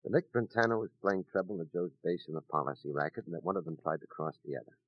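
An actor playing a hard-boiled police detective who also narrates, in a 1940s-style radio drama, clipped and wry. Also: male voice, low-pitched, animated, quick pace, husky. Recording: muffled old radio recording.

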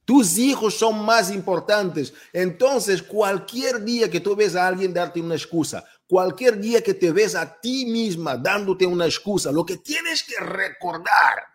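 Emphatic man giving a motivational talk. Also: a little high. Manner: emphatic and repetitive, speaks straight to the listener. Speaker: motivational coach. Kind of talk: motivational talk to a live audience.

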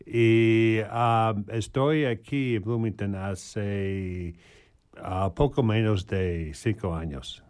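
Slow, low-voiced American priest speaking Spanish. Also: male voice, a little mellow, clean tone. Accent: American English. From Chicago area, USA. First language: English. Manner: halting, many fillers and restarts in learned Spanish. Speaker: associate pastor, radio guest. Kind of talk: radio interview.

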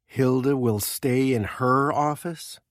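An actor playing a nervous, deadpan presidential aide who tells his story with dry quips in a comic radio play. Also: mid-range voice, slow, no room sound, close to an everyday voice.

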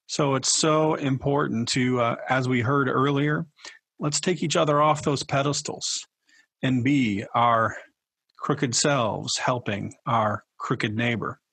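Husky-voiced pastor hosting a podcast. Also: male voice, mid-range voice, takes it slowly, a bit bright, dry recording.

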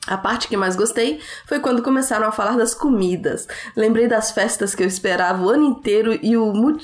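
A woman's voice: medium pitch, darkish tone. A woman with a Brazilian Portuguese accent hosting a podcast, reading listener emails aloud and answering them in a chatty way with fillers. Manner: chatty, reads letters aloud then answers with laughs and fillers.

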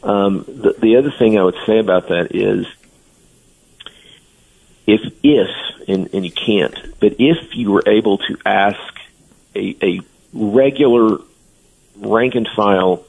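A man's voice: lowish voice, measured pace, gravelly, pauses often, husky, narrow, tinny audio. A man speaking as a guest on a radio interview, giving earnest, blunt opinions. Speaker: guest commentator.

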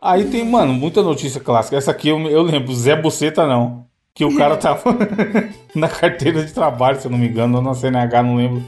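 A man's voice: medium pitch, lively intonation, fast, a little mellow, faint music behind. A man hosting a casual podcast, telling stories in a slangy, profane way and laughing often. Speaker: podcast host.

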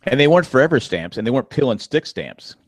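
A man's voice: medium pitch, fast, no echo, studio quality. A man co-hosting a casual podcast chat, telling stories and acting out customers' lines in raised voices. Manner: animated storyteller, acts out customers in raised voices. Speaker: podcast co-host.

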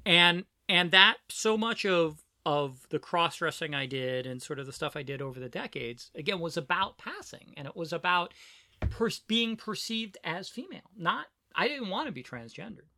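A middle-aged trans woman co-hosting a podcast, talking in a reflective, animated way and laughing often. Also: on the low side, normal speed, dry recording. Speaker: podcast co-host. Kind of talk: casual conversation.

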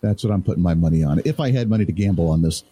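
A man's voice: low-pitched, animated, rapid-fire, dark tone, breathy edge. A man sitting in as a talk radio host, chatting loosely and laughing easily with his co-host. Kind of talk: casual talk radio chat.

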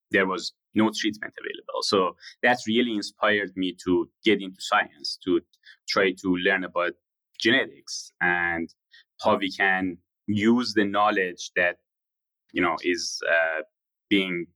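A man, answering interview questions in a measured, explanatory way with frequent pauses. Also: sits low, bright, forceful tone, no room sound, low-quality recording. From Iran. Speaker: guest founder.

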